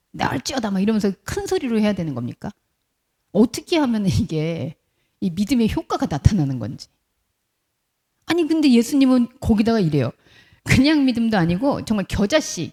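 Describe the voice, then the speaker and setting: A woman pastor giving a sermon, telling the story with animation and asking the congregation questions. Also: mid-range voice. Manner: animated storytelling, acts out quotes.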